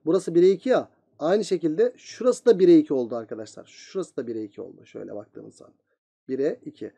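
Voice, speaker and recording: A man's voice: on the high side, gravelly, mellow, slightly rough. A man teaching a geometry lesson at speed, asking students' questions himself and then answering them. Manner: very fast talker, voicing student questions himself.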